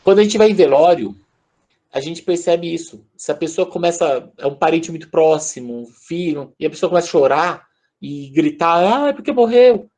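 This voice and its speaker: A man with a Brazilian accent delivers an informal lecture over a video call. His delivery is conversational and animated, and he keeps addressing his listeners directly as he talks. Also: on the high side, normal speed. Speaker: speaker at an online lecture.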